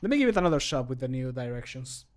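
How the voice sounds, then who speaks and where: A man in his thirties streams from a small home room with a medium-pitched voice. He chats casually and jokes as he goes, commenting on his own work with the odd swear word. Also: sing-song, fast talker. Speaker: streamer recording mod voice lines. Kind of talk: casual livestream chat.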